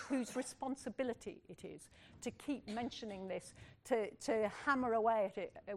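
A woman's voice: mid-range voice, a little hiss or hum. An older woman giving a candid, earnest public lecture, speaking plainly with frequent asides. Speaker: university lecturer.

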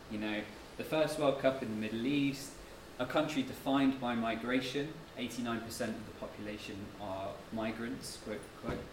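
A man giving a public lecture as a guest speaker, talking in a modest, conversational way in a lecture room. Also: mid-range voice. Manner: modest, slightly self-deprecating, conversational. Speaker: guest speaker, author and anthropologist. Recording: echoey room from far off, noisy.

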